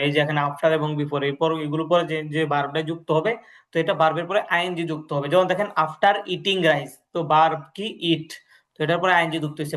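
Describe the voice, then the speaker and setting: A male teacher with a slightly raised voice runs a drill lesson. He draws out each English phrase slowly and repeats it, then rushes through the explanation. He checks in with his students using short questions. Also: fairly high pitch, fairly bright tone. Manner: addresses learners directly, asking check questions. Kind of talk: classroom lesson, explaining in Bengali.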